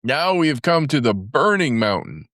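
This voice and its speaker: A man voicing a sly, vengeful storybook rabbit who talks in a falsely friendly, smooth way. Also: medium pitch, very animated, normal speed, fairly bright tone, no room sound, clean studio sound, pitched above the performer's own voice. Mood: feigned innocence. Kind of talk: storybook character voice.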